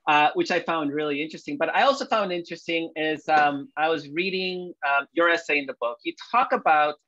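A man's voice: fairly high pitch, sharp tone. A middle-aged man moderating a panel over a video call, asking long questions with hesitant restarts. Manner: hesitant, halting, many "um"s and restarts. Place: indoor room, plain wall. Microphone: video call webcam. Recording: dull webcam audio.

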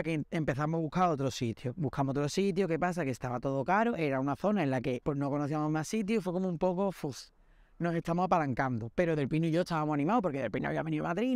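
In a comic storytelling monologue, a young Spanish podcast host with a fairly high pitch acts out the voices of the people in his anecdotes, full of animation. The audio is clean studio quality with no echo.

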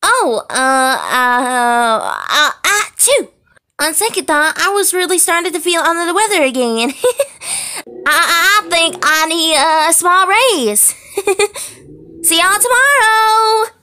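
A woman's voice: extremely high pitch, big pitch swings, drawn-out words, sharp tone, full character voice. A woman voicing a perky, folksy animatronic chicken in an exaggerated, overacted cartoon fandub style. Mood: nervous. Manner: exaggerated, gushing, folksy delivery.

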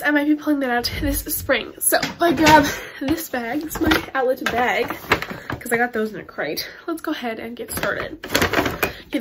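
A woman's voice: fairly high pitch, heavy background noise. A teenage girl with a stuffed-up nose reviewing a candle haul to camera in her bedroom, chatty and rambling with lots of ums and likes. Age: teens. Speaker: beauty and candle vlogger. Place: bedroom with Christmas tree and curtains, indoors.

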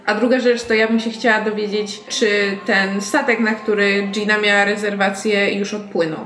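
A woman's voice: medium pitch, flat delivery, normal speed, fairly bright tone, a little hiss or hum. A woman playing a tabletop role-playing game, casually talking through plans with the group. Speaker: tabletop RPG player. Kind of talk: casual in-game planning chat. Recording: roomy echo, music underneath.

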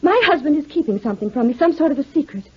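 A woman's voice: high-pitched, lively intonation, racing, slight background noise. A woman playing a genteel, anxious and insistent wife in a 1940s radio drama. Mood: pleading. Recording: muffled 1940s radio recording.

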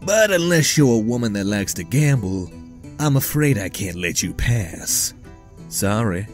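An actor playing a flirtatious, menacing scarecrow soul collector with a drawl, in an audio drama with faint music behind. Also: male voice, lowish voice, big pitch swings, a little slow. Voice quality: drawling, teasing, theatrical.

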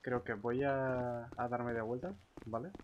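A man's voice: medium pitch, little pitch movement, a little slow, muffled recording. A man with a Castilian Spanish accent chatting casually in a game roleplay, thinking aloud with hesitations. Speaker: roleplay gamer, group member. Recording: clear background noise with clicks.

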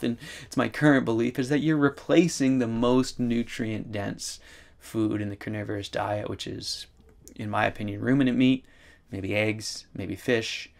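Low gravelly man talking to camera. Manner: rambling, thinking aloud with many asides. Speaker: vlogger. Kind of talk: casual talk to camera. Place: wooden room by a large window.

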